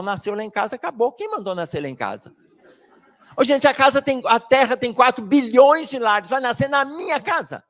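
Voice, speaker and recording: A man giving a spirited public lecture at a spiritist book fair, joking and talking straight to the audience. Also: very high-pitched. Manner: animated, jokey, addresses the audience directly. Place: lecture hall.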